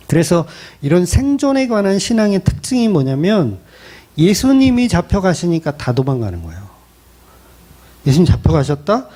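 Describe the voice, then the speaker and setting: A man's voice: fairly high pitch, mellow. A middle-aged male pastor preaching a sermon in a conversational style, asking rhetorical questions. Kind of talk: expository sermon.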